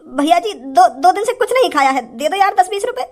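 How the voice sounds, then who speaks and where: A performer voicing a hungry young male beggar in a comedy skit, pleading and flattering. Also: very high voice, fairly quick. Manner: whining, flattering pleas.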